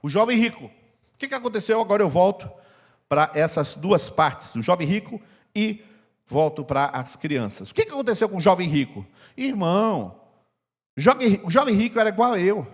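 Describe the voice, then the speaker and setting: Older man, Brazilian accent, high-pitched pastor, conversational sermon, reverberant church hall. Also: sing-song, moderate pace. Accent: Brazilian Portuguese. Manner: conversational preaching, repeating phrases for emphasis.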